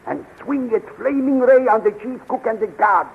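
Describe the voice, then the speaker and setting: An actor playing an earnest, scheming scientist with urgent, deliberate delivery in a 1930s radio serial. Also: male voice, very high voice, big pitch swings, vocal fry, heavily acted. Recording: tinny, hissy 1930s radio recording.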